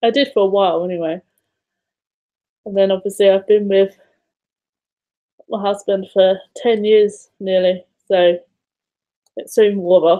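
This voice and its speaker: In an Essex accent, the speaker goes at a fairly slow pace with fairly even intonation and long, frequent pauses. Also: woman, medium pitch for a woman. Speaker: crafting YouTuber. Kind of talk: casual live chat. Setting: live stream.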